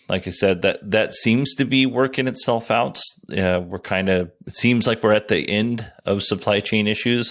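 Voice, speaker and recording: Very deep-voiced man. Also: fairly bright tone. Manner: informal, thinking aloud. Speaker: podcast host. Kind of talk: casual solo commentary.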